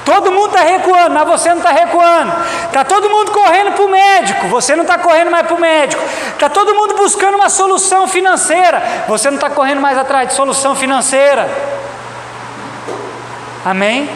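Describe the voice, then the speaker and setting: A man's voice: very high-pitched, brisk. A Brazilian man preaching a sermon, speaking emphatically and repeating his points as he addresses the congregation directly. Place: reverberant church hall. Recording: echoey hall, loud background noise.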